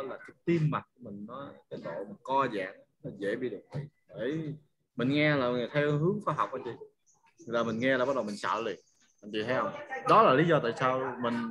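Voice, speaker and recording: A man in his forties, a business trainer, talking casually on a video call from home, rambling and laughing as he asks his listeners questions. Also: medium pitch. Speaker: business trainer hosting a morning Zoom session. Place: home room with guests over. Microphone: webcam microphone on a video call. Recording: loud crowd chatter behind the voice. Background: noisy party crowd in the house.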